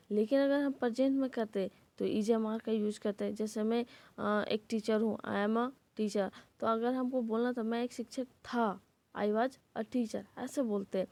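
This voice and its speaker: A woman's voice: on the high side, dark tone, dry recording. Patient woman teaching English in Hindi. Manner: slow, careful repetition of example sentences; patient explaining with fillers. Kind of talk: Hindi-English language lesson.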